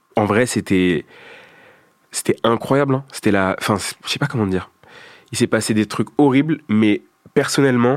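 At a moderate pace, a man with a medium pitch and ordinary pitch variation speaks with long, frequent pauses, his sound dry and close with no echo. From France, Paris then Grenoble area. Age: 20s. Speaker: rapper. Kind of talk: casual interview. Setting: studio.

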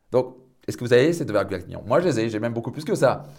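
A man at medium pitch races along at a very fast pace with an energetic tone. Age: 40s. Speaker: podcast host, business coach. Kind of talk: motivational monologue.

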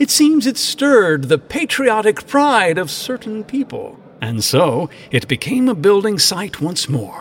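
A man's warm, high-pitched voice, very wide pitch swings, a fairly slow pace. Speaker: ghost narrator guide. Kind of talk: history documentary narration, scripted. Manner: warm, conversational, storytelling; wry, chatty, addresses listener directly.

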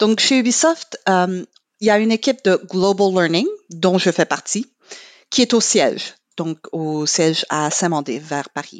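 Over a quiet background, a woman with an English accent speaks at a medium pitch and a fairly slow pace. Her intonation is lively, and the sound is dry and close with no echo. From Quebec, Montreal. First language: English (speaking French). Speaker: marketing manager. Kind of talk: interview.

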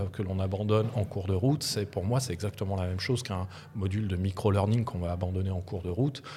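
A man's somewhat breathy, fairly low voice at a very fast pace. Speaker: podcast host. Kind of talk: casual chat. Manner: animated.

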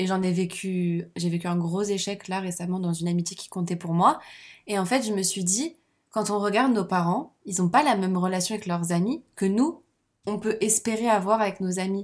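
Here a woman speaks at a moderate pace in a medium pitch. It is an unremarkable speaking voice with ordinary pitch variation. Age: 20s. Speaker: law student. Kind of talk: casual chat.

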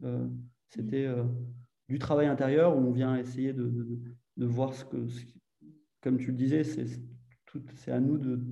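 With long, frequent pauses and big swings in loudness, a man speaks very slowly at a medium pitch in a dark, mellow tone and monotone, flat intonation, with audible room echo. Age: 30s. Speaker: coaching client, farmer. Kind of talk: personal testimony. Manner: halting, many repetitions.

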